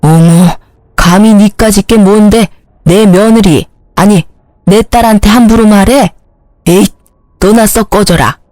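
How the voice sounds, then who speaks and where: A woman voicing a fierce older mother-in-law who scolds and shouts insults. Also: medium pitch, unhurried, dry recording, lightly acted. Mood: scolding. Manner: scolding, furious.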